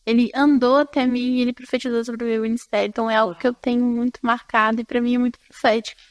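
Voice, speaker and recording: A young woman from Florianópolis, a podcast guest sharing a faith testimony in an earnest, calm way. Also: on the high side, fast, no room sound. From Florianópolis, Brazil. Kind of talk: testimony in conversation.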